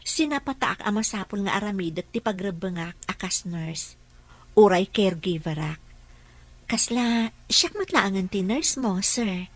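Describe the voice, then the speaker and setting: A woman playing a patient, dutiful mother and caregiver in an Ilocano radio drama, gentle and apologetic. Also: medium pitch, lively intonation, a little slow.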